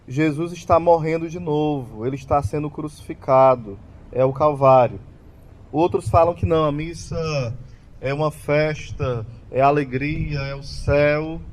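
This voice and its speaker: A Catholic lay preacher with a Brazilian Portuguese accent speaks in a slightly high, darkish-toned voice at a moderate pace. His catechetical talk about the Mass is full of questions to the audience that he then answers himself.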